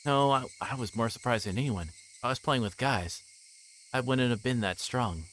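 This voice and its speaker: A man's voice: mid-range voice, normal speed, fairly bright tone, a little hiss or hum, low-quality recording. A man livestreaming a visual novel, reading narration aloud with casual asides, often stumbling and rereading lines. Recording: music playing behind the voice.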